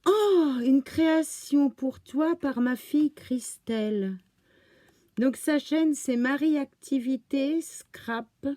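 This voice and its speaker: A woman hosting a craft channel, gushing with oohs and exclamations as she slowly unpacks crafts in casual chat. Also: high-pitched, dark tone, dry recording. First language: French. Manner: slow, thinking aloud as she unpacks.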